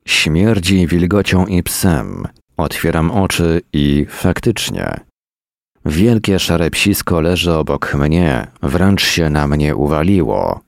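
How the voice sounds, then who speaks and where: A man reading a first-person story in a weary, deadpan manner at a close mic. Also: deep voice, slow, gravelly, no echo. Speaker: narrator.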